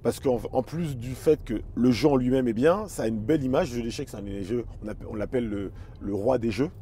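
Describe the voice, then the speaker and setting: Male interview guest, 30s, dark relaxed timbre, thoughtful and halting phrasing, faint ambient noise. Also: medium pitch. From Paris suburbs, France. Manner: hesitant, repeats words while searching for phrasing. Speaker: interview guest, chess teacher and performer. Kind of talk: casual, reflective interview talk.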